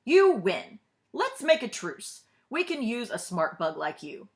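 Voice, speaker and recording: Lady doing a storybook president guy, earnest n dignified, big emphatic speech delivery, lively pitch. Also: a little slow. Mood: commanding, conciliatory.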